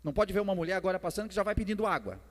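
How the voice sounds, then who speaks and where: A man's voice: sits high, expressive, very fast. A man with a Brazilian accent preaching a sermon in a conversational way, retelling a Bible story and repeating phrases for emphasis. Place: church hall during a service. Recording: echoey hall reverb with music behind.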